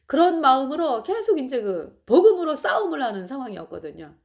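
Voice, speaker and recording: A woman's voice: high-pitched, sing-song, brisk, creaky. A middle-aged woman telling a personal church testimony with emotion and laughter. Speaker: church member giving testimony.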